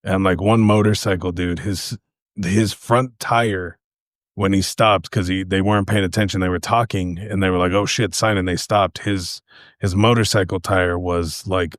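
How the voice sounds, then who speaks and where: Brief: male podcast co-host, very low voice, relaxed storyteller, swears casually, close dry sound. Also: normal speed, dry recording. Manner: laid-back, profane, storytelling. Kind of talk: casual chat.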